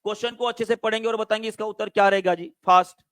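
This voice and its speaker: A man teaching a live online exam-prep class, drilling students repeated questions and quick checks. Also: high-pitched, fairly even intonation, a bit bright, no room sound, studio quality.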